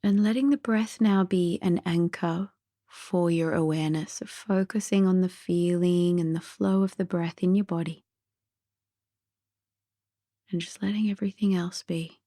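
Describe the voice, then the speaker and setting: Slow, soothing woman guiding sleep meditation. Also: fairly low pitch, steady tone, no room sound, clean studio sound. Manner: gentle, soothing, soft breathy delivery drifting near whisper. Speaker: meditation guide.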